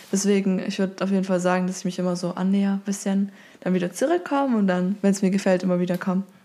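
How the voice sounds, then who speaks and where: A woman with a dark, mellow tone and medium pitch talks at a very fast pace in a monotone, flat intonation. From Stuttgart, southwest Germany. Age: young. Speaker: professional dancer. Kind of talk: casual chat.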